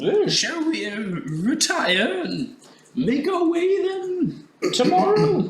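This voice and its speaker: A man uses a put-on character voice at an extremely high pitch, speaking at a very slow pace. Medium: actual play. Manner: formal, mannered phrasing.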